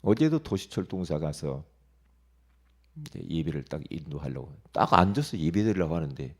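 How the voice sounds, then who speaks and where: A male pastor giving an early-morning sermon, emphatic and lively, asking the congregation rhetorical questions and dropping into quiet asides. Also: extremely low pitch, breathy edge.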